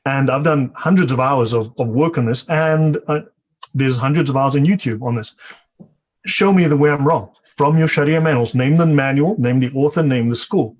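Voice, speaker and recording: A man's voice: mid-range voice, moderate pace, darkish tone. A man on a live online discussion panel who speaks in an insistent, challenging way.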